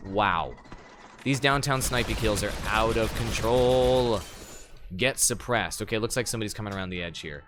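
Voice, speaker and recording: This live game streamer speaks at a normal speed in a fairly low voice, with background noise audible. Using a streaming mic, he chats with viewers about his gameplay in a casual, slangy, joking way.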